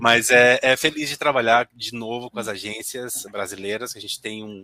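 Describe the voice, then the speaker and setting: The loudness swings widely. The intonation stays fairly even. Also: man, medium pitch for a man, moderate pace. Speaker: cruise line sales representative. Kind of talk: webinar presentation.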